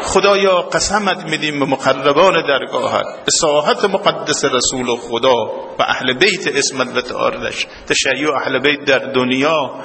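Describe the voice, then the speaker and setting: A man's voice: medium pitch, gravelly, sharp tone, slight background noise. Preacher man chanting in a reverberant hall. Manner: rising into wailing chant. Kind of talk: mourning sermon chant and prayer. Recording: long hall reverb, faint ambience.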